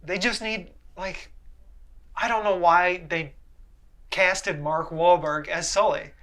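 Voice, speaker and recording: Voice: mid-range voice, fairly even intonation, slow, fairly bright tone. A co-host of a movie review show chatting casually, in an informal, wry way. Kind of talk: casual chat about movies.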